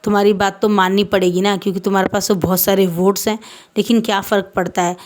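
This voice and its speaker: A sly, menacing male teacher, put on by a woman storyteller, dropping veiled threats in a falsely polite way. The delivery stays flat and level. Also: mid-range voice, quick pace, natural voice.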